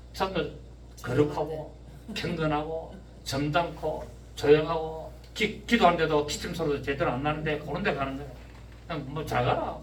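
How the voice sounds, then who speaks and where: A pastor in his fifties with a Gyeongsang accent, preaching a sermon, often shouting and firing questions at his congregation. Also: a little high, slight background noise. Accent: Gyeongsang Korean. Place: church sanctuary. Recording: echoey church room, mic at a distance.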